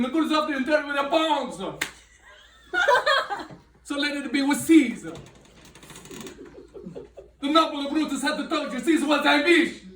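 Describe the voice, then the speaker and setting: A man playing an emotional comic foreign funeral orator, halting and melodramatic, in a Shakespeare monologue with broken phrasing. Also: extremely high pitch, a bit bright, slight background noise. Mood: solemn, grand. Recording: roomy sound, far from microphone.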